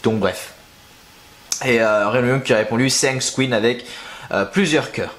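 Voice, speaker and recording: A man's voice: mid-range voice, normal speed, a bit bright. A young man chatting casually to camera, rambling and slangy, thinking aloud as he searches for things. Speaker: wrestling news youtuber.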